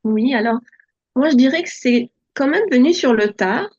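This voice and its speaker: A soft-spoken woman in her forties, born in France, telling her story as an interview guest with many hesitations. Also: high voice, lively intonation, moderate pace, breathy edge, lo-fi sound. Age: 40s. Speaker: podcast guest. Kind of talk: relaxed personal interview.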